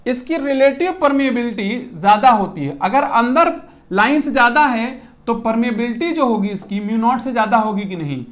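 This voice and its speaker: Physics lecturer, lively and repetitive, teases the class with analogies and quick check-in questions. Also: mid-range voice. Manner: animated, repeats points with rhetorical questions and playful classroom analogies; mixes English technical terms into Hindi speech. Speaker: physics teacher.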